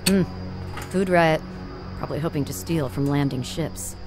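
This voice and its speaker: Actress as starship medic, woman, deep voice, sardonic, casual, down-to-earth, audio drama, music behind. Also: moderate pace, close to an everyday voice.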